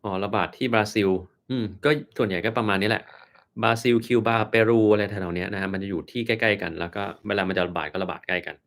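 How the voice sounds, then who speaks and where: Easygoing Thai doctor on a casual live stream. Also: male voice, lowish voice. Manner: relaxed, explanatory, with many fillers and pauses. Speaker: doctor answering viewer questions.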